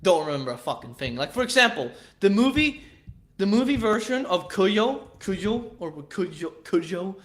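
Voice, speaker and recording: A man's voice: sits high, big pitch swings, fairly quick, a bit bright. A man with a Swedish accent chatting casually with viewers on a livestream, rambling and swearing, with frequent restarts. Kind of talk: casual chat.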